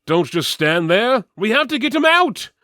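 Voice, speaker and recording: A man's voice: high-pitched, very animated, normal speed, sharp tone, no echo, clean studio sound, voice pushed up, heavily acted. A man voicing a stern, commanding warrior leader in a fantasy story, terse and bossy. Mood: urgent shouting.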